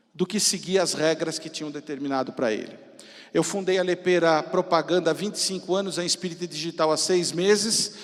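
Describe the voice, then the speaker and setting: High-voiced São Paulo man in a reverberant hall. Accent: São Paulo Brazilian. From Brazil. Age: 50s. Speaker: entrepreneur speaking at a festival. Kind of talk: motivational personal-story stage talk. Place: stage of a large event hall. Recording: reverberant hall with long echo.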